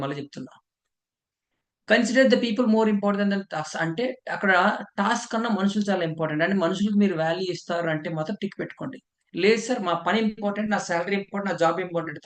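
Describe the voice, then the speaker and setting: A man's voice: sits high, reverberant. A man from India giving a training lecture. He goes through a questionnaire item by item and keeps checking in with "okay?". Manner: checks in with listeners, frequent "okay".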